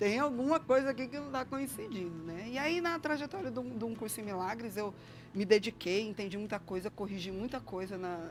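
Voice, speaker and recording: The voice moves at a fairly quick pace with very wide pitch swings. Music plays in the background. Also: woman, fairly high pitch for a woman. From interior of São Paulo state, Brazil. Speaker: lawyer and spiritual therapist. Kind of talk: interview conversation.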